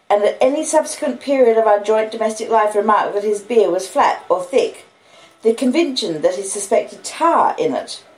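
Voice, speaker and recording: A woman's voice: mid-range voice, a little mellow. Australian woman reading in an echoey room. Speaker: streamer reading novels aloud. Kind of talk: expressive audiobook-style reading of a classic novel with casual chat. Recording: roomy echo, clear background noise or hiss.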